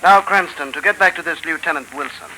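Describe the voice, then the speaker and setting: An impatient army general barks his lines in a vintage radio thriller. He speaks quickly, pitched a bit high, with a sharp bright tone. A faint hiss from the old broadcast sits under him. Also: low-quality recording. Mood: gruff. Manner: brusque, impatient, blustering. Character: blustering older male army general. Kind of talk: 1930s radio drama acting.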